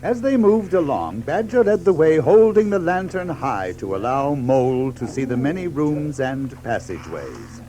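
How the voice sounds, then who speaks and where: A man's voice: a little high, big pitch swings, normal speed, few pauses, dark tone, slight background noise. A man narrating a scripted children's story as a storyteller. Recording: music behind the voice. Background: music.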